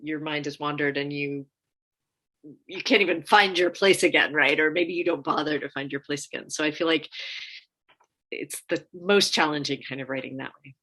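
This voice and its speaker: A woman's voice: deep voice, normal speed, bright, forceful tone. A woman speaking as an academic panelist, explaining her thinking in a reflective, conversational way.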